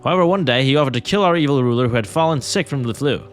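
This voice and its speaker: A man's voice: mid-range voice, lively intonation, rapid-fire, soft background music, lightly acted. A man putting on a pompous British king. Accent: British, put on. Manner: pretentious, declaiming. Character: pompous male king writing his journal.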